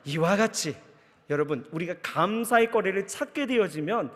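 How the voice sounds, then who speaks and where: A man's voice: high-pitched, animated, moderate pace. A male pastor in his thirties preaching a sermon, telling a personal story and acting out his own inner thoughts. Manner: storytelling with acted inner monologue. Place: church sanctuary. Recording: long church hall reverb.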